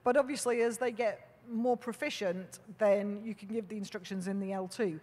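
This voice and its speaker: A woman on a conference panel answering an audience question in a clear, explanatory way. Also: mid-range voice, steady tone, normal speed, darkish tone. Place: large conference hall. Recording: reverberant conference hall.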